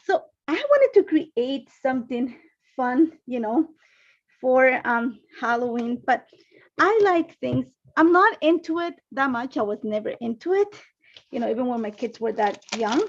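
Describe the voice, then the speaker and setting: Unhurried and animated, a middle-aged woman from Ecuador talks in a high voice during a casual craft stream from her home craft room, rambling and calling out viewers by name. The audio is dull and lo-fi, captured on a phone and laptop livestream rig.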